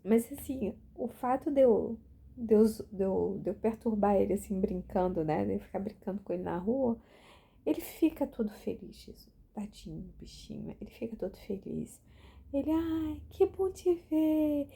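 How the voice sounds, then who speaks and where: Woman in her twenties or thirties, casual reading-vlog chat, husky and mellow. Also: mid-range voice, moderate pace. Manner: chatty and anecdotal, with many fillers and restarts. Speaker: book reading vlogger. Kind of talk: casual spoken reflection.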